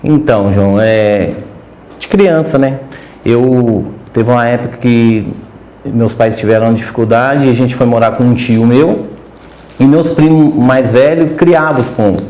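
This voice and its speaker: A man's voice: medium pitch, unhurried, dark tone, roomy sound. A man with a Minas Gerais accent, a podcast guest who breeds homing pigeons, talking hesitantly with many restarts. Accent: Minas Gerais Portuguese. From Brazil. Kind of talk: casual interview chat.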